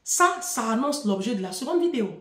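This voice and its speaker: A woman with an Ivorian French accent delivering an animated, mocking monologue, lecturing and repeating phrases for emphasis. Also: on the high side, a little fast. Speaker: video creator addressing the diaspora. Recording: echoey room.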